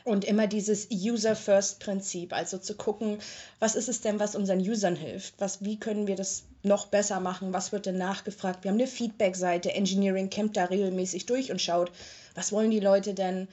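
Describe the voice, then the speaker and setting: A young woman from Germany talks through her career in a casual interview, colloquial and brisk with frequent filler pauses. Her voice sits at an ordinary middle pitch. The recording is slightly muffled and lo-fi. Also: fairly even intonation, warm tone. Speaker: interviewee, tech customer support worker.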